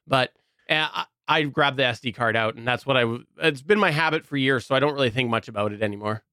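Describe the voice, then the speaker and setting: A man's voice: medium pitch, quick pace, pushed and bright, no echo, studio quality. A man co-hosting a podcast, chatting casually about recording gear and laughing often. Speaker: podcast co-host. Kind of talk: casual tech chat.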